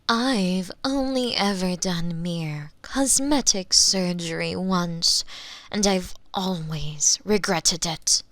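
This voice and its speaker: A woman playing a smug, menacing female mad scientist in a theatrical ASMR roleplay, condescending and sometimes breathy, close on a binaural microphone. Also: lowish voice, slow, a bit bright, dry recording. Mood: indignant, condescending. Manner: theatrical, condescending, sighing, slipping into breathy whispers. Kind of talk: roleplay ASMR monologue, spoken to the listener.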